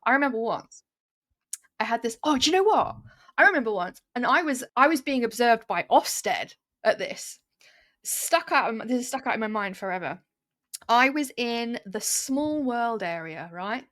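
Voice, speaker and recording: A woman's voice: fairly high pitch, moderate pace. Chatty woman telling stories. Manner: animated storytelling with many fillers. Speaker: early years teacher and podcast host. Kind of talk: casual chat.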